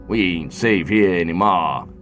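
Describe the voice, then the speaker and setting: A man's voice: low-pitched, a little slow, a bit bright, soft background music. Man doing a panicky, foul-mouthed little piggy. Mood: urgent, scared. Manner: panicky, exclaiming. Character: frightened, foul-mouthed little nugget piggy from a fairy tale.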